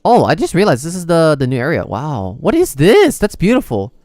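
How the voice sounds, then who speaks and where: A man's voice: on the high side, wildly swooping pitch, fairly quick, a little mellow, dry recording, soft background music. A man livestreaming a video game, chatting casually with viewers and rambling as he thinks aloud.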